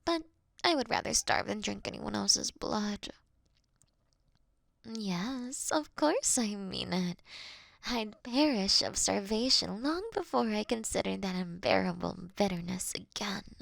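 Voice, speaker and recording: A woman performs a female vampire in scripted roleplay audio for a single listener, slow, intimate, and gently theatrical. Her mid-range voice is breathy and often drops into a whisper, with no room sound. The vampire is courteous and doting, wryly confessing to her sleeping prey.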